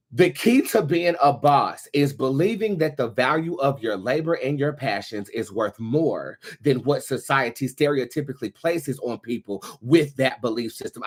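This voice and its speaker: A man's voice: medium pitch, a bit bright, husky. A man hosting an online show, giving a blunt, profane, campy motivational monologue with emphatic repetition. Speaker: show host, tarot reader and spiritual coach.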